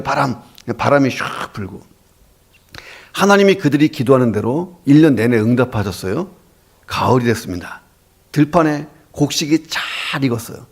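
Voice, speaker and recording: A male pastor giving a sermon, telling humorous stories and acting out the voices of his characters. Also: medium pitch. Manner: animated storyteller, acts out the voices of his characters.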